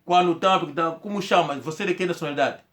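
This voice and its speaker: A fast-talking man from Angola with a fairly high, slightly bright voice tells a personal story as a commentator. His casual monologue rambles and repeats itself while he acts out quoted dialogue.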